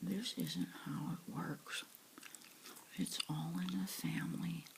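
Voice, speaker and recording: A gloomy, discouraging palace guard from a storybook, whispered by a woman. His words come slow and low in a gravelly whisper. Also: steady tone, background noise, heavily acted.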